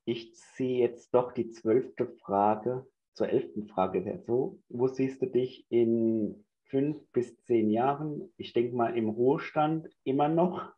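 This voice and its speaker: A man in his thirties hosting a podcast over a video call on a headset, halting and hesitant with lots of fillers. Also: mid-range voice, muffled recording. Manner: halting, many fillers and restarts. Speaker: podcast host. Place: indoors, in front of a banner backdrop.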